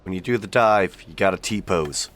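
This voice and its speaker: A man's voice: low voice, normal speed, fairly bright tone, faint music behind. Wry, worn-out man streaming a game. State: sick, tired voice after hours of streaming. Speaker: streamer and voice actor. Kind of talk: casual game commentary.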